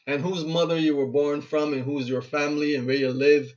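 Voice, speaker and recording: Barbadian man, 50s, a little high-voiced, earnest motivational speaker, muffled lo-fi sound. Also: little pitch movement, fairly quick, a little mellow. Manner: earnest, exhorting, repeats himself for emphasis. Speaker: motivational speaker and radio host. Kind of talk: motivational talk. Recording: muffled lo-fi recording.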